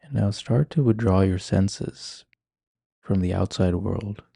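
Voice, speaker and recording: A man leading a guided meditation in a calm, gentle, measured manner. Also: deep voice, gravelly, breathy edge, no room sound, studio quality. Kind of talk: guided meditation, ASMR-like instruction.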